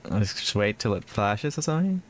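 A man's voice: lowish voice, big pitch swings, moderate pace, noisy background. A young man doing casual, joking let's play commentary, thinking aloud as he plays. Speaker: gaming YouTuber.

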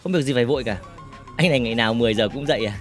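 A man livestreaming a game in casual chat, reading out viewer comments and teasing them, often repeating words in quick bursts. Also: mid-range voice, faint music behind. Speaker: gaming livestreamer.

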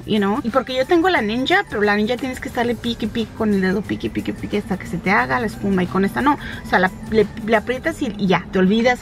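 A woman in her thirties, a vlogger chatting casually and directly to her viewers, slipping English phrases into her talk. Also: medium pitch. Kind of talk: casual vlog chat. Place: home and car, Michigan.

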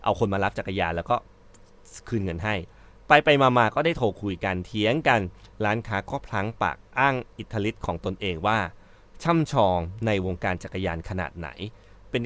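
A man's voice: on the low side, expressive, normal speed, a bit bright. A male host giving casual commentary on an article he reads out, chatty, with frequent fillers and self-corrections.

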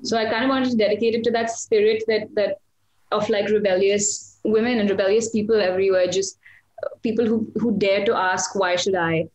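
A woman's voice: mid-range voice, steady tone, fairly quick, darkish tone, roomy sound, low-quality recording. A young woman, a singer-songwriter, chatting casually on a video call from a small room at home, with lots of restarts and fillers. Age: young adult. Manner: chatty, self-deprecating, many restarts and fillers. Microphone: webcam on video call.

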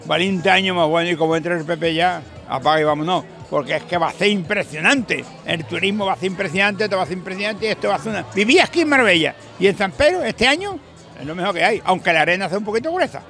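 Older andalusian guy rambling outdoors at night, gravelly bright voice, music and crowd faint behind. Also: high-pitched, expressive, fast. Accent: Andalusian Spanish. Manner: rambling, folksy, emphatic. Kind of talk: casual chat. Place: beach bar terrace at night, outdoors. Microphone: handheld mic held by interviewer.

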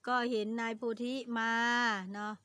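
A woman's voice: unhurried, no room sound. A middle-aged woman with an Isan accent, telling a story to her viewers in a chatty, repetitive way and ending phrases with polite particles. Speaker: vlogger.

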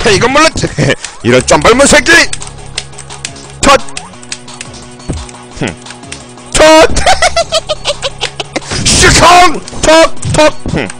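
A man streaming a video game live, shouting attack cries, trash-talking opponents and talking to his viewers. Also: very high voice, huge pitch swings, a little slow, pauses often, soft background music. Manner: theatrical address to viewers.

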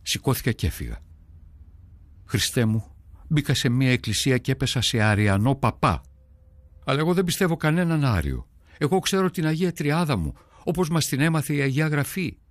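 As a documentary narrator, an actor voices a devout early-Christian man recounting his crisis of faith and hard times in earnest first person. The medium-pitched delivery is expressive, lightly acted, earnest, prayerful and brooding, with no room sound.

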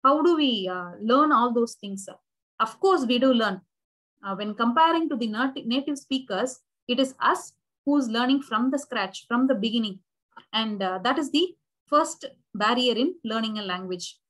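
A young Indian woman whose first language is Tamil delivers a recorded university English lecture over slides, explaining patiently and rephrasing herself with many fillers. Her voice is on the high side, fairly bright and animated, at normal speed, and the recording is low quality.

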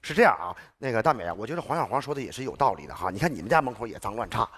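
A man's voice: medium pitch, big pitch swings, rapid-fire, fairly bright tone, breathy edge. An actor playing a flustered neighborhood man hunting a rat, ranting in a stage comedy sketch. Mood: exasperated ranting. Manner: exasperated ranting, repeats himself. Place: television gala stage.

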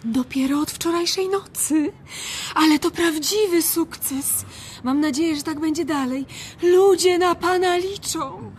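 A woman's voice: very high-pitched, a little slow, a little hiss or hum. An actress playing an adoring, starstruck young-hearted female admirer in a radio drama.

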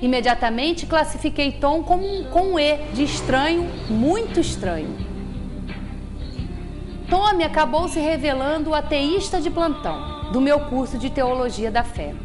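A woman reads a story to a small audience in a steady, measured way. Her voice sits high, and music plays clearly behind her. She is recorded in a small meeting room by a camera set far back. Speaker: speaker at a spiritist center. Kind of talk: reading a story aloud in a talk.

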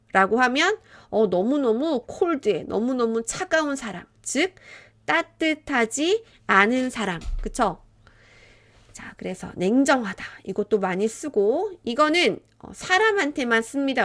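A woman's voice: a little high, bright, forceful tone. A woman teaching Korean vocabulary, explaining words patiently and acting out short example dialogues. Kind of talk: vocabulary lesson.

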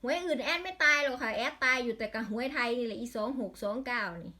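A woman's voice: fairly high pitch, fast, pushed and bright. A woman with an Isan accent in a casual vlog, rattling off lottery number strings and breaking into exasperated grumbles.

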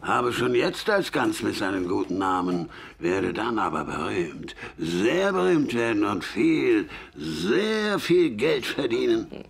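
An actor playing a gruff, stubborn, solitary old gunsmith in a radio play, speaking in curt, grumbling sentences. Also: male voice, on the low side, sing-song, slow pace, full character voice. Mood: proud, confiding. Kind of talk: German radio play acting.

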